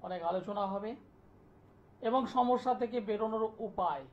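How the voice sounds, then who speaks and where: A man, an astrologer hosting a live TV call-in show, delivering an insistent, repetitive pitch and taking callers' details. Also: normal speed, slight background noise. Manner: insistent, repetitive sales pitch, listing place names. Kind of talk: live TV promotional talk and phone call-in. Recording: dull lo-fi broadcast sound.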